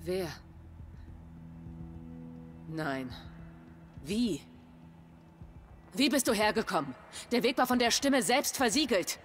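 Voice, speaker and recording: A woman's voice: medium pitch, big pitch swings, slow pace, long pauses, faint music behind. A woman playing a devout middle-aged tribal shaman in a video game, speaking in grave, formal, dramatic phrases. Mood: startled, demanding.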